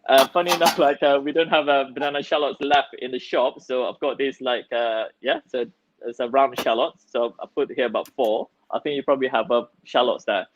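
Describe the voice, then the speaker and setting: A man's voice: mid-range voice, steady tone, fairly quick, dull audio, background noise. A man, a chef leading a cook-along demonstration. He talks in a chatty way, with many fillers and restarts, and laughs easily. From Malaysia. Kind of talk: cook-along demonstration over a video call. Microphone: video call.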